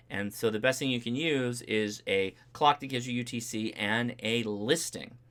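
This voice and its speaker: A man with a medium-pitched, slightly bright voice hosts a ham radio livestream. He delivers a casual, hands-on tutorial in an informal, chatty, explanatory way, pausing to check in with "right?" and "okay?" as he goes step by step.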